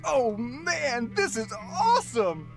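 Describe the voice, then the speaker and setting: A man voicing an eager, naive young rookie who spooks easily in an animated comedy. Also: very high-pitched, takes it slowly, creaky, soft background music, exaggerated voice. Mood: eager, nervous.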